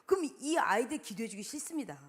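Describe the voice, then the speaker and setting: A middle-aged woman missionary preaching a sermon, telling stories in a lively way and acting out the quotes. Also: a little high, fast. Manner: animated storytelling, acts out quotes.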